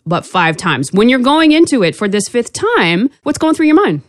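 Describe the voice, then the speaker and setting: A woman's voice: on the high side, sing-song, normal speed, no room sound, studio quality. A woman hosting an interview podcast, a little sniffly from a mild cold. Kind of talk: podcast interview, spoken intro.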